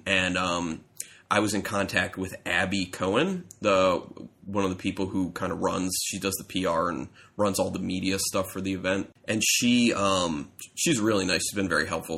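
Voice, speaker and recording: Deep-voiced man with a stuffy cold. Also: normal speed, fairly bright tone. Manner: rambling, self-correcting storyteller. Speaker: podcast co-host. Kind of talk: casual chat.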